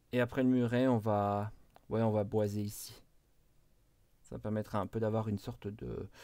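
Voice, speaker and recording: In a very clean recording with a silent background, a man with a dark, mellow tone and fairly low pitch speaks in a flat monotone, leaving long, frequent pauses. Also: moderate pace. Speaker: gaming streamer. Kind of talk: live stream commentary. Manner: hesitant, many fillers.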